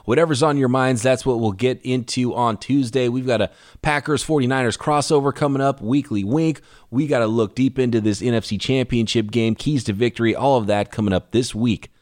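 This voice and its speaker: A man hosting a solo sports podcast, talking through the game in an energetic, conversational way while his voice is worn from a cough. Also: mid-range voice, a little fast, few pauses, no echo, clean studio sound. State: losing his voice from a lingering cough. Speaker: podcast host.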